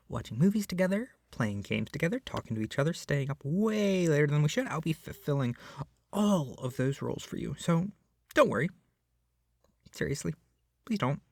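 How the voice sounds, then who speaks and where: Man playing a lovesick yandere kidnapper, lively and soft. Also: fairly high pitch, dry recording, studio quality. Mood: awkward, possessive. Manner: soft, hesitant, rambling, often dropping to a whisper. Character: lovesick young male yandere kidnapper, doting, awkward, possessive. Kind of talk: ASMR roleplay addressed to the listener.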